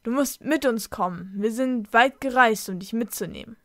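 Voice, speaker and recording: A woman voicing a determined male white wolf in a storybook, who speaks loudly and firmly. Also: on the high side, normal speed, dry recording, clean studio sound, lightly acted. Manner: loud and firm.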